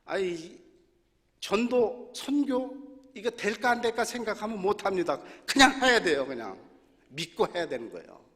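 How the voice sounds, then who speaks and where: A man's voice: sits high, sing-song, moderate pace, a bit bright. A man in his sixties preaching a sermon in a church, telling stories animatedly with laughs and acted-out voices. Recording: long hall reverb.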